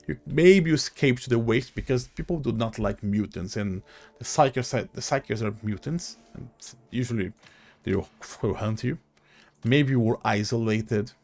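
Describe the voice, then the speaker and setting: A man giving casual video game commentary as host, halting and thinking aloud as he goes. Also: medium pitch, vocal fry, a little mellow.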